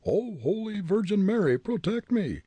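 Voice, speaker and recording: A man voicing a boastful, quick-tempered, superstitious Irish tramp with an Irish accent, full of indignant exclamations in a storybook reading. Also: a little high, wildly swooping pitch, mellow, slightly rough, no echo, voice pushed up, full character voice. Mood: terrified pleading.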